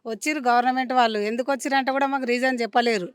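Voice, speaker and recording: Telangana woman laborer, worried and pleading, quick smooth voice. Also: a little high, steady tone, no echo, clean studio sound. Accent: Telangana Telugu. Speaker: resident and laborer. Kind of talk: street interview.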